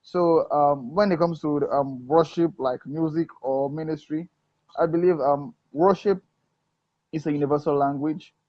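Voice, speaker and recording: A man from Africa, a gospel singer, talking in a casual interview with an earnest, preacherly manner, often pausing on "um" and "you know". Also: fairly high pitch, steady tone, no echo. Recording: muffled dull sound, dry.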